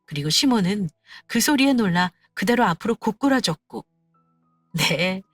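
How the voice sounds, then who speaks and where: A woman's voice: medium pitch, animated, measured pace, no echo, faint music behind. A woman narrating a true story for a story channel, chatty and confiding.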